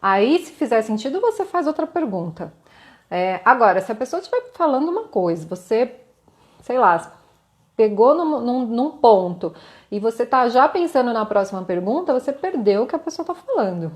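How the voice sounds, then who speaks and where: A woman's voice: a little high, sing-song, normal speed. A woman with a Brazilian Portuguese accent gives a live-streamed lesson, explaining in a conversational way, tagging her points with little questions and light laughs, and answering viewer comments. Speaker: communication instructor.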